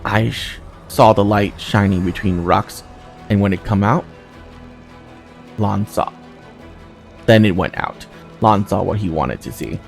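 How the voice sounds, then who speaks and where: A defiant tribal huntress of a fantasy game, read aloud by a man, low-pitched and creaky. She speaks coolly and with command, over music. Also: measured pace, pauses often.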